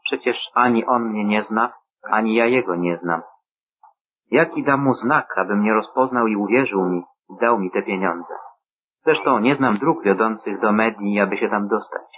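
An earnest, dutiful young son, read by a man in a husky, low voice. The reading is measured and solemn. The sound is narrow and tinny, like a phone call. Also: lightly acted. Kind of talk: scripture reading.

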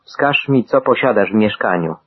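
A man voicing a male prophet who gives calm, solemn commands, in a husky voice with a measured reading manner, over a tinny radio-like sound. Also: on the low side, no echo.

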